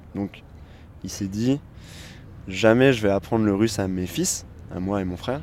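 A man at a fairly low pitch, speaking at a moderate pace. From France, Russian father. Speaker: interviewee. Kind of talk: personal testimony.

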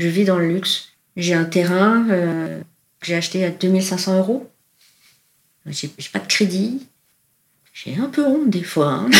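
Speaking very slowly with long, frequent pauses, a woman uses lively intonation. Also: medium pitch for a woman. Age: 40s. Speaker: permaculture trainer. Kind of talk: interview. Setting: rural village, in person. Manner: hesitant, many fillers.

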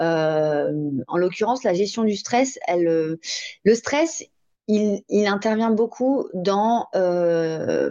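A woman talks very slowly at a medium pitch, her pitch varying in an ordinary way. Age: 40s. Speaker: language school director and former hypnotherapist. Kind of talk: casual interview chat. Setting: podcast recording.

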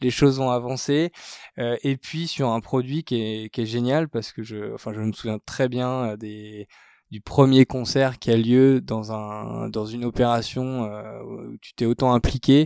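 The voice has a dark, mellow tone and fairly even intonation, moving at a fairly slow pace with big swings in loudness and a dry, close sound with no echo. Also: man, medium pitch for a man, very clean recording, silent background. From Brittany, France. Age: 30s. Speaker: property developer executive. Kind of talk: interview.

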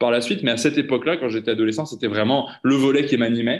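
Fairly even intonation from a man speaking at medium pitch. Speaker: head of a youth public-speaking nonprofit. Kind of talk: interview. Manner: halting, many repetitions and hesitations.

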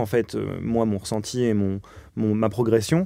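On a very clean recording against a silent background, a man's dark, mellow tone comes through. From Normandy, France (Caen). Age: 30s. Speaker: electronic music composer. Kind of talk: interview monologue. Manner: hesitant, many fillers.

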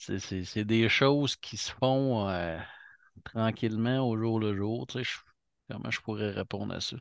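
Against a quiet background, a man speaks very slowly at a medium pitch. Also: ordinary pitch variation. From Quebec, Abitibi-Témiscamingue. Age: 40s. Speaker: company CEO. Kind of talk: casual interview.

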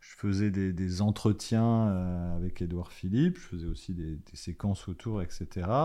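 In a dark, mellow tone, the speaker moves at a fairly slow pace with hardly any pauses and big swings in loudness against a quiet background. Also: man, very deep, low pitch for a man. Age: 50s. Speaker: documentary filmmaker. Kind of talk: interview. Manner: halting, many repetitions.

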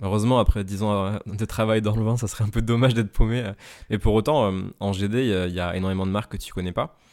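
A man rushes along at a very fast pace, with a silent background on a very clean recording. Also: fairly low pitch for a man, fairly even intonation. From Bordeaux suburbs, France. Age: 30s. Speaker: former wine product manager. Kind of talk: casual interview.

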